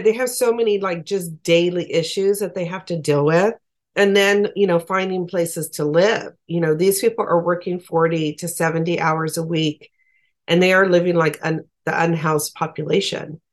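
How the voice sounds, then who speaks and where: Earnest woman advocate, low voice. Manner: earnest, emphatic, plain-spoken. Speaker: farm worker advocate. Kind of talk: interview guest.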